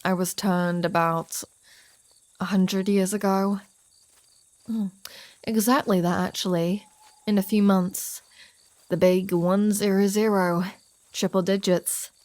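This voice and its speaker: Slow, teasing vampire woman, acted by a woman. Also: medium pitch, level tone, darkish tone, no echo, lightly acted. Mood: wry, playful. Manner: teasing, sardonic, sweary, drawling. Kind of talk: ASMR roleplay audio drama addressed to the listener.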